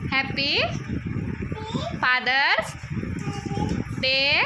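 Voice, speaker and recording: A woman's voice: high-pitched, drawn-out words. A woman filming a casual family vlog. She coaxes small children in a sing-song voice and chats to her viewers between them, recording on a phone camera. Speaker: family vlogger. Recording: loud background noise.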